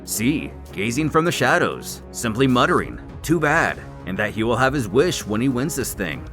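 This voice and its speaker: A man's voice: mid-range voice, big pitch swings, moderate pace, fairly bright tone, faint music behind. A man delivering scripted story recap narration in a dramatic storytelling manner, with wry asides.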